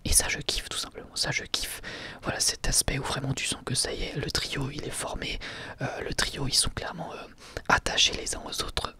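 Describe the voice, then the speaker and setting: A man giving a whispered ASMR review of an anime episode, soft and unhurried, full of hesitations and casual slang. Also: medium pitch, monotone.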